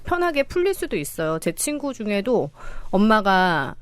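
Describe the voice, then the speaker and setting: Woman, podcast panelist, frank advice, mid pitch, dry sound. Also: big pitch swings, moderate pace, smooth, no echo. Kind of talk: casual panel podcast chat. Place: podcast studio.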